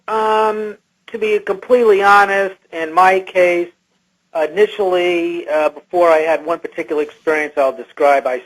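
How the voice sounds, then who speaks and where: Man with an electronically disguised, higher-pitched voice. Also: poor audio. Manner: hesitant, halting. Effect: electronically altered disguised voice. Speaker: interview guest, scientist. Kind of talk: recounting personal experience in radio interview.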